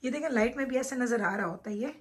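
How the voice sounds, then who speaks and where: Woman, home vlog, chatty, talks straight to viewers, slightly high, breathy, bedroom at night, phone mic. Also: fast talker. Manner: chatty, addresses viewers directly while showing things. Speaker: vlogger giving a room tour. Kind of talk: casual home vlog talk.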